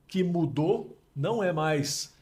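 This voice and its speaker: A Brazilian man hosting a casual podcast, explaining with emphatic metaphors in an animated way. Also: fairly high pitch, slow. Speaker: podcast host.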